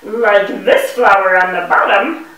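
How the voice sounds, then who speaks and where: A woman voicing a gentle, polite talking bee in a children's puppet show, explaining things simply and theatrically. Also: mid-range voice, a little slow, close to an everyday voice. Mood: earnest explaining. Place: indoor room with puppet stage. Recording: echoey room, distant microphone.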